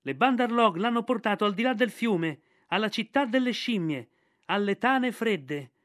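A man voicing a male kite bird who calls down loudly with an urgent message. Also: sits high, lively intonation, normal speed, no room sound, studio quality, pitched above the performer's own voice. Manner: calling loudly from above.

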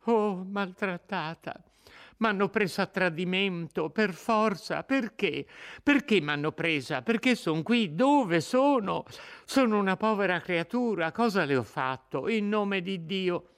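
A man's voice: sits high, lively intonation, measured pace, a bit bright, clean tone, voice pushed up, exaggerated voice. A man reading aloud voices a frightened young peasant woman who begs desperately and trembles. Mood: pleading, desperate.

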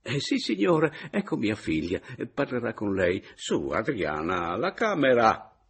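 A man voicing a flustered, apologetic bald old man of about sixty, calling loudly through the house in an audiobook. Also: lowish voice, huge pitch swings, a little slow, vocal fry, slightly rough, heavily acted. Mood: eager.

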